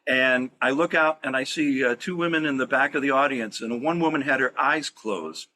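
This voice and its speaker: A man's voice: medium pitch, normal speed, bright, forceful tone, slight background noise, rough recording. A man who acts in community radio plays, telling anecdotes in a podcast interview. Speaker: community radio play actor. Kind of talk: podcast storytelling.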